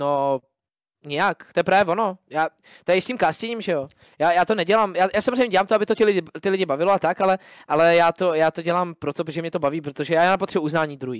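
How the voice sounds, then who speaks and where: A very fast delivery with ordinary pitch variation, in a very clean recording with a silent background and a dry, close sound with no echo. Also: man, high pitch for a man. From Czech Republic. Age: 20s. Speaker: esports commentator. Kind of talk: casual chat.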